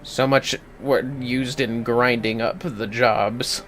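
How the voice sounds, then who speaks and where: A man's voice: medium pitch, fairly even intonation, takes it slowly, fairly bright tone. A man casually chatting to viewers on a gaming livestream, rambling and swearing as he talks to himself. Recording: music playing behind the voice. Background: clear music.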